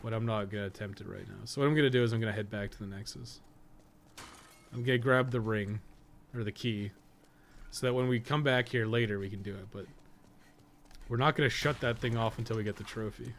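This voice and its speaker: A man's voice: lowish voice, fairly even intonation, brisk. A man gives casual, unscripted gameplay commentary, thinking aloud in a rambling, self-deprecating way with some mild swearing. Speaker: podcast co-host and game streamer. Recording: clearly noisy background.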